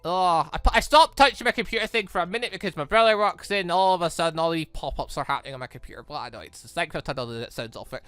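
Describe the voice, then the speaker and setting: A man's voice: fairly high pitch, fast talker, few pauses, bright, forceful tone, clean tone, no room sound. A man giving casual let's play commentary in a rambling way, often correcting himself on a close mic. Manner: rambling, self-correcting asides. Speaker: gaming video host. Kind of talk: casual let's play commentary, reading visual novel dialogue aloud. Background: game music.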